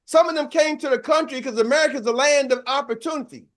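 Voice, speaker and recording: A man in his sixties giving an energetic motivational talk as a sales coach, calling out to a live audience and repeating slogans. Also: extremely high pitch, fast.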